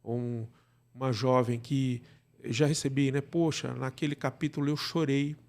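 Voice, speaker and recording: A middle-aged Brazilian man speaking casually as an interview guest, illustrating his points with imagined remarks in an animated conversational way. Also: mid-range voice, moderate pace. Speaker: guest, director and cultural producer.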